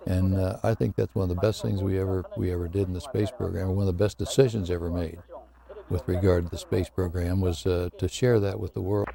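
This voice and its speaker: A man reflects as a space program veteran in an interview. His voice is fairly low and gravelly, and a crowd is clearly heard behind. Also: level tone, fairly quick. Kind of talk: documentary interview recollection.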